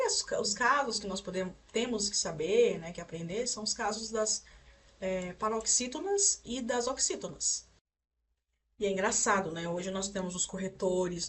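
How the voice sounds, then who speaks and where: A woman's voice: mid-range voice, far from the mic, slight background noise. Brazilian woman, young adult, patient grammar teacher; checks in often; sits back from the mic. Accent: Brazilian Portuguese. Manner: explains step by step, checks in with "certo?" and "tá?". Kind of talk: recorded online grammar lesson.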